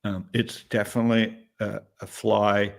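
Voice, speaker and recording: With a fairly low, level voice touched by vocal fry, this man in his late fifties talks a little slowly. He is a startup investor giving a rambling, candid interview as a guest, frequently adding "right?".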